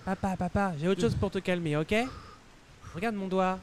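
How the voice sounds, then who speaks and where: Mischievous small boy, played by a man, high voice, innocent-sounding spite, improvised comedy, faint noise behind. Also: fairly even intonation, normal speed, darkish tone, lightly acted. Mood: teasing. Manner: feigned innocence, childish teasing. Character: mischievous little boy, gleefully spiteful brother. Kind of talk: improvised audio comedy sketch.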